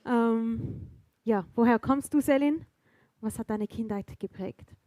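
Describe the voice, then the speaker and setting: Bright-voiced Swiss woman interviewer. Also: fairly high pitch, slow pace, dry recording, studio quality. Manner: friendly, encouraging, lively questioning. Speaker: interviewer in a church talk service. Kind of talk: church stage interview. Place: church stage.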